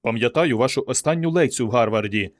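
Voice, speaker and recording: A man voicing an earnest, excitable young doctor who speaks with fervent conviction. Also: medium pitch, fast, close to an everyday voice. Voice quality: fervent, emphatic.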